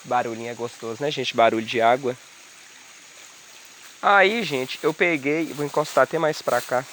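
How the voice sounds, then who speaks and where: Earnest bright-voiced man outdoors. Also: mid-range voice, moderate pace, a little hiss or hum. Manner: earnest, repetitive, addresses viewers as "gente". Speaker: vlogger sharing a spiritual experience. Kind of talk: casual spoken testimony. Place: outdoors in a rural area by a river. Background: insects and crickets, running water.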